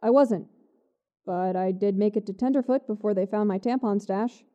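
A woman's voice: medium pitch, moderate pace, muffled recording, close to an everyday voice. An actress playing a flippant, awkward woman scientist in an audio drama, with a casual, slangy, blurting manner. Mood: pleading, wry. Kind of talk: naturalistic audio drama acting.

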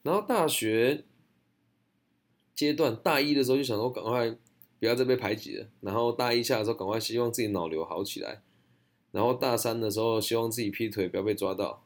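A man's voice: mid-range voice, quick pace. A young man with a Taiwanese Mandarin accent, answering audience questions in a blunt, slangy, chatty way. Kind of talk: casual Q&A monologue.

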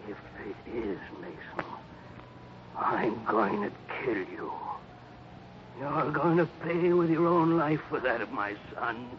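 A man's voice: mid-range voice, expressive, slow pace. A man playing a bitter, vengeful father, menacing and insistent, in an old-time radio western drama. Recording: dull, faintly noisy old radio recording.

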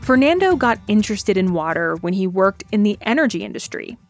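A woman reporter narrating a radio news feature in a clear, steady way. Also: mid-range voice, fairly quick, faint music behind.

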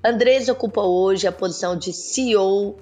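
A woman hosting a podcast, reading a guest's introduction and then opening the interview in a friendly, measured way. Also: medium pitch, noisy background. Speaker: podcast host.

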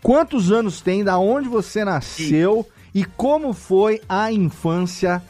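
A man with a Brazilian Portuguese accent hosting a podcast in a lively, joking casual chat. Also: high-pitched, slow pace, faint music behind. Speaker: podcast host.

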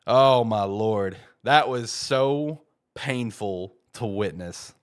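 A man's voice: lowish voice, slow, clear, resonant tone. A congested man with a head cold hosting a casual sports talk show, rambling with many fillers and restarts and bursting into emphatic peaks. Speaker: podcast host.

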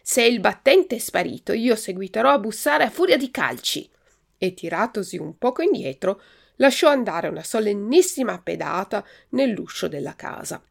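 A woman reads a classic children's tale with lively expression and a strongly gravelly, creaky voice. Her pitch sits in the middle range. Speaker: narrator. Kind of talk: storybook reading.

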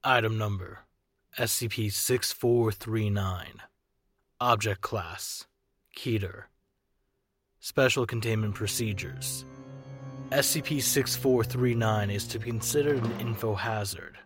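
Measured male podcast narrator over music. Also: lowish voice, a bit bright, husky, dry recording, studio quality.

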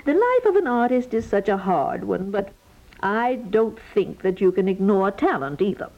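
A woman's voice: mid-range voice, very animated, moderate pace. Kindly, genteel neighbour lady, swooping delivery, 1950s radio comedy, muffled period sound. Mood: earnest admiration. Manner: gushing, genteel. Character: kindly, lonely neighbour lady who dotes on children. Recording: dull 1950s radio recording.

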